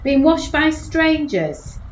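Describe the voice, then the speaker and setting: A woman's voice: high-pitched, sing-song, slow, heavily acted. An actress playing a frank, determined woman facing early dementia in an audio drama. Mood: bitter. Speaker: actor. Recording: echoey, dull lo-fi, faint noise.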